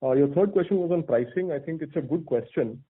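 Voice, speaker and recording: A man's voice: fairly high pitch, husky. Man executive on a tinny phone line. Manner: measured, articulate, corporate. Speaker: company executive answering analysts. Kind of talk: earnings call answers. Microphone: phone conference call.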